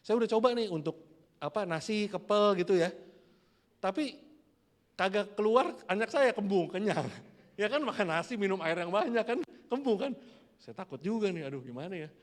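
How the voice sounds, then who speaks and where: A male pastor, telling a family story in an animated sermon and acting out the dialogue. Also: sits high, moderate pace. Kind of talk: storytelling sermon to a youth service. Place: church hall. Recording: long hall reverb.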